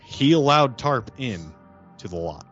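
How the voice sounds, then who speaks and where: A man playing an earnest, guarded vampire political insider, speaking haltingly and repeating phrases in an improvised role-play. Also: medium pitch, very animated, a bit bright, dull audio, soft background music, voice pushed up. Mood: uneasy, confiding.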